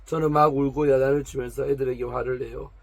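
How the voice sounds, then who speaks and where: A man's voice: mid-range voice, level tone, quick pace, gravelly, no room sound. A man reading aloud the lines of a proud, complaining woman of 45 from a noble family. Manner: complaining, defensive, pleading.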